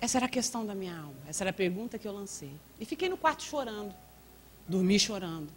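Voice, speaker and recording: A woman's voice: mid-range voice, animated, quick pace, faint music behind. Woman pastor telling a church testimony. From Brazil. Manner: storytelling with acted quotes and laughter. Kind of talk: testimony sermon.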